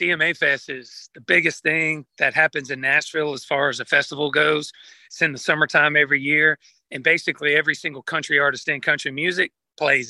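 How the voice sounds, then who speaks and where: Using a fairly quick pace, a man speaks with a Southern US accent in a fairly high pitch. His tone is bright and sharp, and the sound is dry and close with no echo. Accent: Southern US (Georgia). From US South, Georgia. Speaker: country singer. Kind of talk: casual interview.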